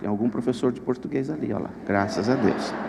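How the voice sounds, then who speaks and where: An animated man speaks amid noticeable background noise and audible room echo. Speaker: preacher. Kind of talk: sermon. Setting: church.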